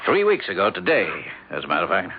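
An actor playing a folksy, businesslike small-town lawyer in a 1970s radio drama, with hesitant interjections. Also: male voice, low-pitched, wildly swooping pitch, fast talker, gravelly, heavily acted. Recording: narrow, dull vintage radio recording.

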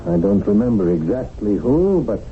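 An actor playing a doubtful, defensive young revolutionary in a 1970s radio drama, with a halting delivery. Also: male voice, on the low side, sing-song. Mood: defensive, flustered. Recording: muffled, noisy 1970s radio broadcast.

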